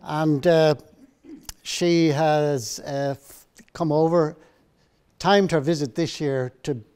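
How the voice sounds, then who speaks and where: A man's voice: fairly high pitch, steady tone, darkish tone, clear, resonant tone. Older man introducing a speaker. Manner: halting, with many uhs. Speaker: moderator introducing a panelist. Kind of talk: event introduction. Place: university hall with a seated audience.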